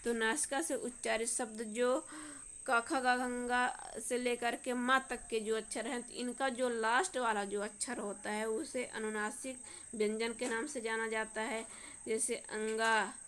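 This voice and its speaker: A woman's voice: on the high side, fairly even intonation, a little slow, fairly bright tone, slight background noise. A woman teacher with a Madhya Pradesh Hindi accent, working through a worksheet and sounding out each letter one by one. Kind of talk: worksheet lesson walkthrough.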